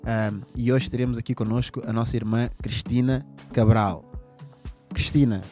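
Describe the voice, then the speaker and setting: A man's voice: lowish voice, a little mellow. A man hosting a podcast, greeting listeners and questioning his guest with formal courtesy. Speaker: podcast host. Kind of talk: conversational interview.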